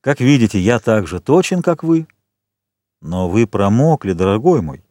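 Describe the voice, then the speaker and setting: A man's voice: lowish voice, big pitch swings, moderate pace, mellow, no room sound. A male audiobook reader voicing a composed, courteous nobleman count in a storybook reading. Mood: warm courteous.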